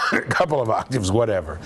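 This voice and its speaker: A man lecturing a university class in a conversational way, with a low voice, often checking in with "okay?". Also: sing-song, normal speed, noisy background. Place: lecture room.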